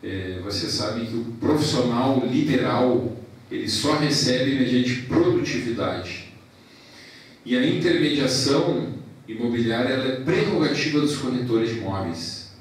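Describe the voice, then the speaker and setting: At a formal ceremony in a big hall, the council's president, a man in his forties, speaks into a handheld mic, pausing deliberately as he runs through thanks and points. He has a medium pitch and lively intonation. The recording is distant and echoey.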